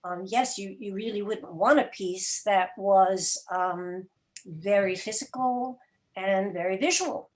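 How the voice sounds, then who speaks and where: A woman with a mid-range voice speaks as an interview guest. She explains things in a deliberate, thoughtful way, choosing her words with care and putting them clearly. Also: mid-range voice, darkish tone. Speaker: guest, radio drama podcast producer.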